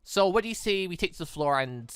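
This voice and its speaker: A man's voice: high voice, lively intonation, a little fast, fairly bright tone, clean tone, no echo. A man voicing a devoted young man on a date in a visual novel, sincere and slightly awkward. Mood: hopeful. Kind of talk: visual novel read aloud.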